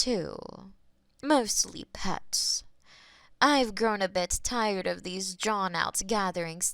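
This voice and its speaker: A woman voicing a possessive, taunting female demon mistress in a scripted audio roleplay, teasing and slipping into soft whispers. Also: medium pitch, no echo.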